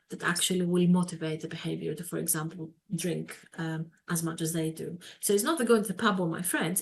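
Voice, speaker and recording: A woman's voice: on the low side, darkish tone. A woman with a Greek accent, from Greece, presenting a webinar lecture on psychology, explaining with many fillers and repeated words over a video call microphone.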